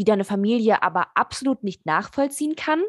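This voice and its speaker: In an ordinary speaking voice, a woman with a fairly high pitch and lively intonation talks at a moderate pace, the sound dry and close with no echo. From Germany. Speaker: podcast host. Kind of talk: interview.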